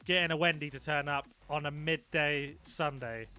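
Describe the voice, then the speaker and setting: A man's voice: fairly high pitch, fairly even intonation, normal speed, sharp tone, faint music behind. A young man chatting casually on a live stream, swearing freely and reacting to his viewers. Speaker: gaming streamer.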